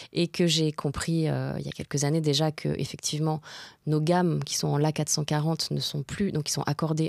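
A woman with a very deep, low pitch speaks at a moderate pace in a dry sound with no echo and a quiet background. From France, Ardèche; France. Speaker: actress and singer; actress. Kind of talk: interview conversation. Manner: hesitant, many fillers. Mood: calm, reflective. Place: studio. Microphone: studio mic.

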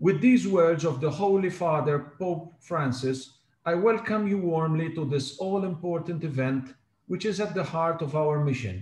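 This man has a high pitch and ordinary pitch variation, speaking at a moderate pace. Audible room echo surrounds his voice. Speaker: event moderator. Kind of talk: formal event hosting. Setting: video call. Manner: formal. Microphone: webcam.

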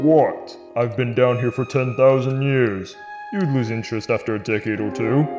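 Using a put-on character voice, a man at a medium pitch talks at a moderate pace over clear background music. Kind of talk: comic dub.

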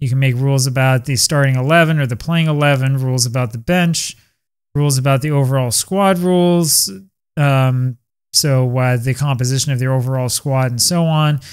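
A man at a moderate pace, his loudness very even, over a quiet background. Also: ordinary pitch variation. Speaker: gaming YouTuber. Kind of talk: tutorial. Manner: hesitant, many fillers. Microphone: studio mic.

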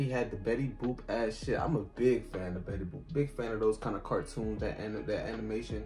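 A man at a fairly quick pace with clear music in the background. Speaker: reaction video creator. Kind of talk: casual reaction commentary. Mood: relaxed, enthusiastic. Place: home room. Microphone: phone near.

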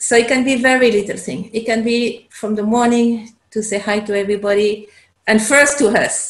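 A woman speaks at a moderate pace with fairly even intonation, and there is audible echo in the room. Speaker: teacher. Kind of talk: lecture. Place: home room. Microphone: webcam.

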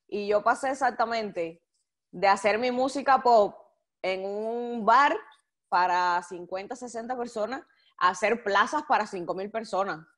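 Speaking at a very slow pace, a woman uses ordinary pitch variation against a quiet background. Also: fairly high pitch for a woman. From Cuba, Camagüey province (rural); Cuba. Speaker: singer; interviewee. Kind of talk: interview. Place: home room. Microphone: earbuds.

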